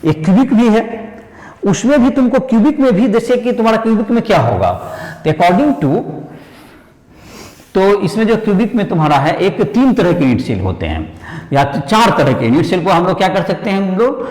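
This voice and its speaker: Animated male chemistry tutor, echoey room. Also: high-pitched, moderate pace. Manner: repetitive rhetorical questions to students, Hindi-English mix. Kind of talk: classroom lecture. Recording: echoey room with long reverb.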